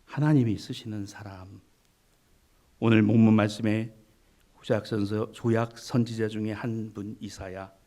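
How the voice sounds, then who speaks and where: A man preaching a sermon as pastor, swinging between hushed asides and loud exhortation as he acts out prayers. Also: on the low side, fairly even intonation, measured pace. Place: church sanctuary.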